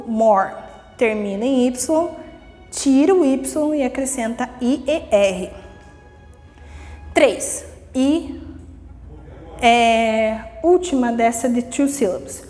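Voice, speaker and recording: A woman teaching English grammar in a recorded online lesson, lively and encouraging, reading rules slowly and then explaining them. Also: fairly high pitch, long reverb tail. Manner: lively and encouraging, repeating "vamos lá" and "ok?".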